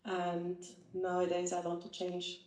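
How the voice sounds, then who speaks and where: A woman's voice: fairly low pitch, monotone, measured pace, a little mellow. A woman from Austria speaking earnestly on a live panel, with some non-native slips. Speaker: nutritionist, panelist. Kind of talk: panel talk. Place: live event stage. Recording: echoey event room.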